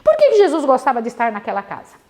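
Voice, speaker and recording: A woman's voice: high voice, huge pitch swings, fast talker, mellow. A woman who teaches a devotional Bible study, telling the story dramatically and asking her listeners questions.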